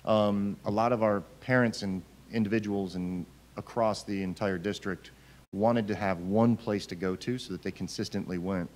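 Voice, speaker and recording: A man's voice: lowish voice, fairly even intonation, moderate pace, darkish tone. A middle-aged man asking questions as a board member at a public meeting, speaking into a table microphone in a large room. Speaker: school board vice chair. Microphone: table gooseneck or stand microphone.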